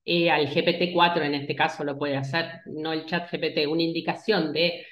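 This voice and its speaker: A woman's voice: low voice, level tone, normal speed, a bit bright, echoey room. A woman giving a lecture, talking hesitantly with restarts and checking in with her listeners. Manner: hesitant, many restarts and fillers, asks "¿sí?". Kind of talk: online lecture.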